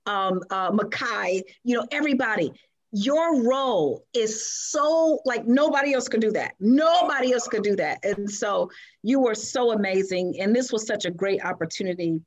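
Woman, talk show guest, gushing praise, halting fillers. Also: medium pitch, expressive. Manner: effusive, gushing, many fillers. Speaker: executive producer guest. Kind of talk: casual interview chat.

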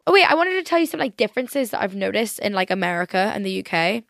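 A young woman with a softened Northern Irish accent, chatting casually in a rambling, exaggerating way as a podcast host. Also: mid-range voice, very animated, fast, vocal fry, soft background music. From Northern Ireland. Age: young adult.

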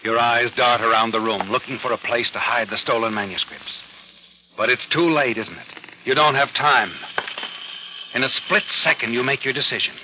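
A man's voice: mid-range voice, moderate pace, background noise, lightly acted. An actor playing a sinister, all-knowing narrator who taunts a guilty man in the style of 1940s radio drama. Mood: urgent, taunting. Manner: knowing, taunting, addresses the character as you. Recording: dull old radio recording, music behind.

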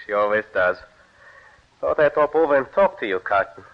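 An actor playing a blunt, neighborly older farmer in a 1940s radio play, with folksy rural speech, on a muffled old recording. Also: male voice, medium pitch, animated, normal speed, natural voice.

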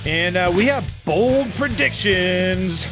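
A man's voice: high voice, lively intonation, slow pace, loud music behind the voice. A man hosting a sports podcast in a casual, chatty style.

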